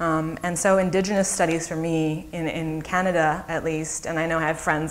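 A woman with an ordinary speaking voice talks at a fairly quick pace, her fairly low pitch holding fairly even intonation over light background noise. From Canadian Prairies. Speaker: Cree scholar and activist; panelist. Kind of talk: panel discussion. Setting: stage with audience. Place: hall.

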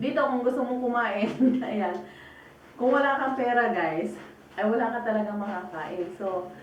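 A woman speaks with a Bisaya accent at a moderate pace and ordinary pitch variation. Noticeable background noise and audible room echo surround her. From Visayas, Philippines. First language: Bisaya (speaking Tagalog). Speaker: vlogger. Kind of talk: casual vlog storytelling. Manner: halting, many fillers.

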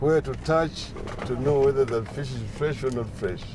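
A man's voice sounds dry with no echo, set against noticeable background noise. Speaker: interviewee. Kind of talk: interview answer. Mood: relaxed, laughing. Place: car.

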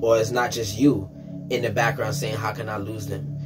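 Music in the background behind a man at a moderate pace. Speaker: tarot reader. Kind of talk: tarot reading commentary.

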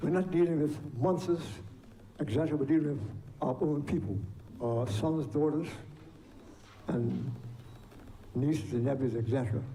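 With audible room echo, a man speaks using ordinary pitch variation and long, frequent pauses. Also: fairly high pitch for a man, moderate pace. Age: 80s+. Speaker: retired police officer speaking at a town hall. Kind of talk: public comment at a town hall meeting. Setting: town hall meeting with audience. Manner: halting, with repetitions.

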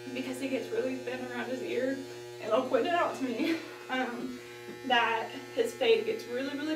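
A woman's moderate-paced speech sits over noticeable background noise. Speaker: hairstylist demonstrating. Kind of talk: tutorial. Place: home room. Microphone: camera far.

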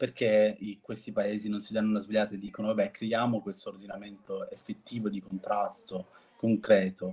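A man with a fairly low pitch speaks at a fairly quick pace in a flat monotone, his loudness swinging widely. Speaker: master's student. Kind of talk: audience question. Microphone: poor audio, hard to hear; video call.

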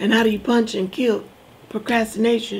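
Light background noise can be heard. The speaker is a woman. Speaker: ministry host. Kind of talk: devotional talk. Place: studio.

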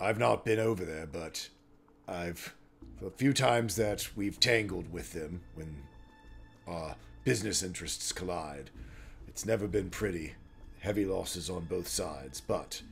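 Over music in the background, a man uses a put-on character voice with a very deep, low pitch, lively intonation, a moderate pace, and long, frequent pauses. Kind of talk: game master character voice. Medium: actual play. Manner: blunt, cautious, matter-of-fact.

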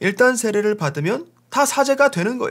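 Here a man's pitch swings very widely. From Korea. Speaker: priest lecturer. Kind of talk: lecture. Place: home room.

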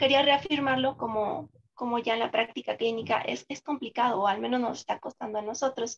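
The speaker is a woman. She keeps a moderate pace with fairly even intonation. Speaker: psychologist in training. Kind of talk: class discussion. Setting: video call. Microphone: laggy video connection; video call.

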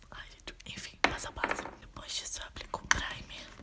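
Soft-spoken and whispering, a woman talks at a moderate pace. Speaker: beauty vlogger. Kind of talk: casual ASMR makeup tutorial. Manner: soft ASMR whisper close to mic. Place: home room. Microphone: phone near.

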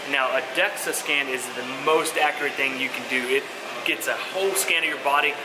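A man talks over noticeable background noise. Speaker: fitness vlogger. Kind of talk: casual vlog chat. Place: gym. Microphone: phone near.

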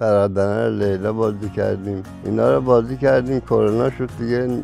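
The speech moves at a moderate pace with ordinary pitch variation, sounding dry with no echo, while faint music plays in the background. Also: man. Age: old. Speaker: actor, former firefighter. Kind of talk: interview answer. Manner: simple, unadorned. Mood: warm, amused storytelling. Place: studio. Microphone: lapel.

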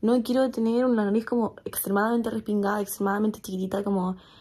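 A woman rattles along at a very fast pace with monotone, flat intonation and very even loudness. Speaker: vlogger. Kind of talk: casual vlog chat. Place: home room. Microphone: phone near.

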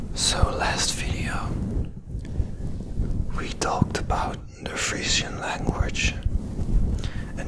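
Over loud background noise, a man speaks very slowly with long, frequent pauses. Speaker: ASMR creator. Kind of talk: ASMR history narration. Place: home room. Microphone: handheld.

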